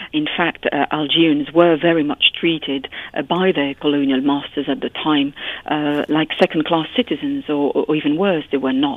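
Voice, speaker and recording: A woman's very deep, low voice at a moderate pace with fairly even intonation, dry with no echo. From France, Algerian heritage. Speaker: journalist. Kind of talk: radio interview. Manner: hesitant, many fillers. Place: studio.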